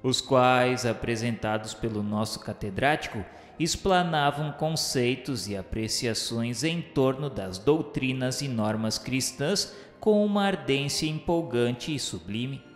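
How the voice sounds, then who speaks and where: Male narrator, medium pitch, devout and measured radio drama reading, heavy hall echo over music. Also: expressive. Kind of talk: solemn scripted literary narration. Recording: echoey hall-like reverb with music.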